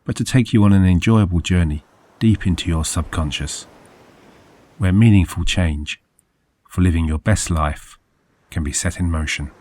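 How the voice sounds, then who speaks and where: A man narrating a scripted guided sleep meditation as a hypnosis guide, soothing and measured, with deliberate phrasing. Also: low-pitched, darkish tone.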